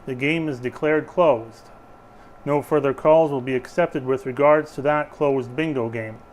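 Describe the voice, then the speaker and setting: A man's voice: a little high, slight background noise. A man working as a bingo caller, reading rules and announcements in a formal, procedural way.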